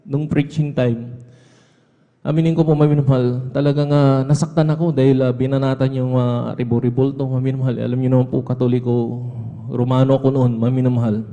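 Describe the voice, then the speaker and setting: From a church pulpit, a man gives an earnest testimony at a prayer service, returning again and again to a fond address to the congregation. His mid-range, warm voice is flat in delivery and a little fast. The lo-fi audio sits in an echoey hall with long reverb.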